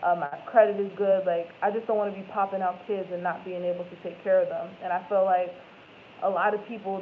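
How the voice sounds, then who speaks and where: A woman in her twenties chatting casually with viewers as host of a live stream, rambling and correcting herself as she goes. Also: mid-range voice. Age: 20s. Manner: rambling, self-correcting, lots of "like" and "um". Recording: tinny phone-like audio with faint noise.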